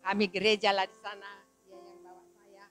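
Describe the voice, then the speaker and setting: A woman's voice: medium pitch, a little fast, soft background music. A woman in her seventies, giving an emotional spoken testimony to a congregation and acting out the people in her story. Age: 70s. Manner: emotional, storytelling, quotes people in lively voices. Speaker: church testimony speaker.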